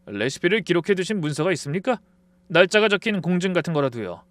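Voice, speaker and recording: A man voicing a polite, measured male lawyer giving advice. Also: sits high, sing-song, no echo, pitched above the performer's own voice. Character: calm, formal male lawyer.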